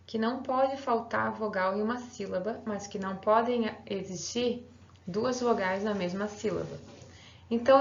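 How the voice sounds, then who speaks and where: A woman's voice: medium pitch, gravelly. A woman teacher giving a recorded online grammar lesson, explaining patiently step by step and checking in with her students. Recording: roomy, slightly dull home recording.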